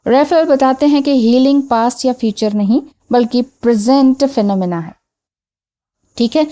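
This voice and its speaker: A woman's voice: sits high, normal speed, warm tone. A woman giving a spiritual teaching talk, explaining step by step, mixing in phrases and answering her own questions. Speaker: tarot reader and spiritual teacher.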